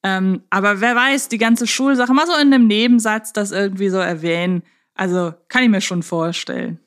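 Female podcast co-host, mid-pitched, casual, reasoning delivery with dry humour. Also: moderate pace.

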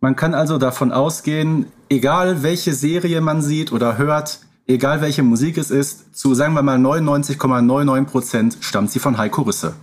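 A man with a medium-pitched voice co-hosts a podcast interview. He talks conversationally, stressing his points with politely formal wording. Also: normal speed, hardly any pauses. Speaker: podcast co-host.

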